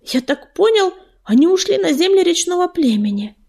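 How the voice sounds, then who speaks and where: A woman voicing an excitable warrior tomcat. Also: very high voice, moderate pace, creaky, pitched above the performer's own voice, exaggerated voice. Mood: excited. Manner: excited, breathless. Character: male warrior cat, excitable scout.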